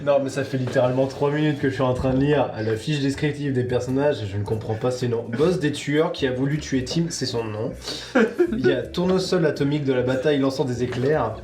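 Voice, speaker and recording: A man's voice: mid-range voice, a little fast. A man chatting casually as a podcast co-host, in a baffled, complaining manner. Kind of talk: casual chat. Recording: echoey room.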